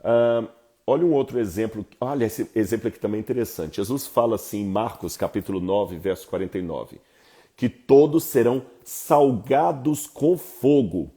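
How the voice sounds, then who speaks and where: A man with a Brazilian Portuguese accent giving an informal Bible lesson, lecturing in a lively, conversational way with asides to his viewers. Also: lowish voice, moderate pace, husky. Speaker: Bible teacher.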